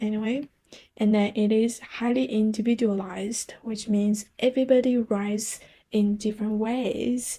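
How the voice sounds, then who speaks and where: A woman's fairly high, dark, mellow and somewhat breathy voice with a Chinese accent, at a moderate pace with fairly even intonation. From China. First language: Chinese dialect. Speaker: college writing instructor. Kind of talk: lecture. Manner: halting, many fillers.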